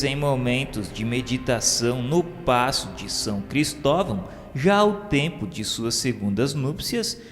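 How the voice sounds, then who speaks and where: A man with a Brazilian accent narrating a radio drama in a solemn, measured way. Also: medium pitch. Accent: Brazilian Portuguese. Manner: slow, solemn, measured delivery. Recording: long reverb with faint music.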